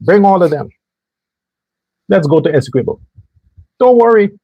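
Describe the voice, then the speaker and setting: Husky-voiced man in a fiery monologue. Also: high voice, very animated, normal speed, no room sound, muffled recording. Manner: emphatic, talks straight to viewers, mock voices for others. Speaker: political commentary show host. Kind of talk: animated political monologue.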